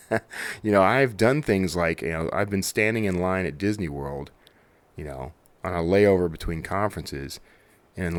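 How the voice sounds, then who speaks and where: A man with a low voice speaks as a podcast host in a loose, conversational monologue. He rambles informally and drifts into asides. The sound is dry and close, with hardly any room in it. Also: dry recording. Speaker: author. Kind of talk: casual solo podcast monologue.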